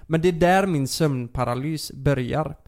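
Gravelly young man telling a story. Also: on the high side. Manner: animated, many fillers and swearing. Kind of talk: casual storytelling.

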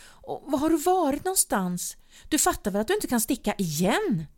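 A woman reading as a shrill, frantic young woman. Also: big pitch swings. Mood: frantic shouting. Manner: shrill, shouting, near tears. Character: frantic young woman pleading with her partner.

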